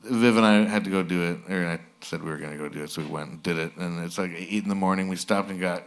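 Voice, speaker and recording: Male host, low voice, dry easygoing humor. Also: fast talker. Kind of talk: casual live interview.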